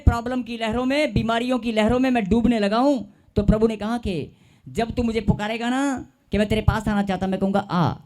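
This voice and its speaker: High-voiced man preaching with call and response. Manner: call-and-response preaching, drawn-out emphatic repetition. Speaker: pastor. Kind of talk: sermon.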